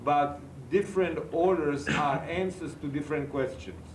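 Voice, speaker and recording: A man's voice: fairly high pitch, moderate pace. A man with a Czech accent, a native Czech speaker, answering in a workshop discussion, hesitant. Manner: hesitant, self-deprecating. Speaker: workshop participant. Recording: echoey room, distant mic, faint noise.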